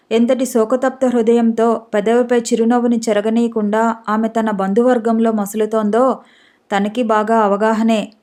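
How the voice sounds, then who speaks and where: A woman narrating a story for an audiobook in a calm, even reading. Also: a little high.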